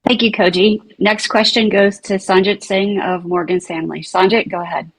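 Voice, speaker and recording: A woman's voice: mid-range voice, fairly even intonation, normal speed, husky, low-quality recording. A woman moderating a conference call question session in a polite, procedural manner. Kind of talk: scripted question-and-answer moderation.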